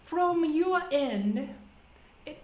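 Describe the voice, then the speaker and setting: A woman with a high voice and a Japanese accent hosts a conversational language lesson. She explains step by step and poses questions along the way. The sound is echoey and roomy. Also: expressive, drawn-out words, darkish tone. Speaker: host leading English conversation practice. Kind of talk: casual explanatory lesson talk.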